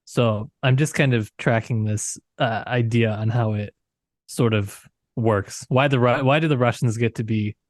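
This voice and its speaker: A man's voice: mid-range voice, steady tone, measured pace, dry recording, studio quality. A man co-hosting a podcast in casual book discussion, often restarting his words in a hesitant way. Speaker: podcast co-host.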